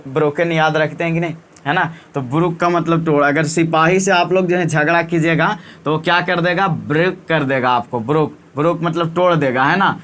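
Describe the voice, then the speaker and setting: A man's voice: on the high side, a bit bright. A male teacher giving a casual exam-prep lesson, talking in a repetitive, coaxing way and ending sentences with a checking tag. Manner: repetitive, coaxing, often ends with "है ना".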